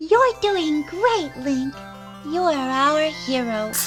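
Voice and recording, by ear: Over faint music in the background, a cartoonish character voice moves at a very slow pace.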